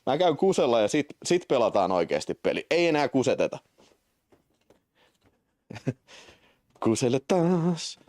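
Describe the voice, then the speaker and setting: A man hosting a live stream, chatting casually with viewers and swearing at his own slips, then calling a game's events in quick excited play-by-play. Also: dry recording, studio quality. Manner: swearing, self-mocking, jumps to excited high-pitched play-by-play. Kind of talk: casual live-stream chat and game commentary.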